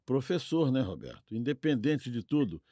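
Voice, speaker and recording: An older Brazilian man with a middle-pitched voice co-hosts in a casual, conversational style. He is affirming and likes to end on questions that seek agreement. The sound is dry, with very little room in it. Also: very animated, moderate pace, warm tone, no echo. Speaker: co-host. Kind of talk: casual chat.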